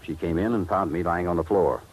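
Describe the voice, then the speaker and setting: A man's voice: low-pitched, fairly quick, slightly rough. A man playing an anxious, aggrieved jeweler in 1950s radio drama, explaining himself earnestly. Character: anxious, aggrieved male jeweler, robbed and nearly ruined. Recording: noisy vintage 1950s radio recording.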